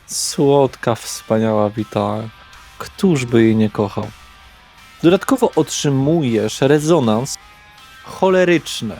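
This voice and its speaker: Slow-paced male game master, music behind. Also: medium pitch, expressive. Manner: unhurried, casual asides to players. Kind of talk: slow atmospheric narration of a horror RPG. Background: soft guitar music.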